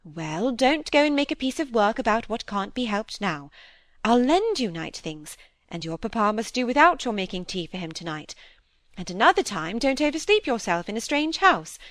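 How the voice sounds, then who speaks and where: A woman's voice: on the high side, sing-song, normal speed, dry recording. A woman reading an audiobook, voicing a breezy, self-absorbed widow who chatters on in a lightly condescending way. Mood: chatty. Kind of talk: audiobook character voice.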